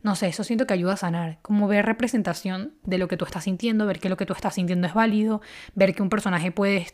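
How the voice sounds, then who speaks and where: A woman's voice: medium pitch, fairly even intonation, quick pace. A young woman, talking earnestly and conversationally to her viewers in a casual self-help video. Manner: earnest, conversational, laughs softly between points. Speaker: video host.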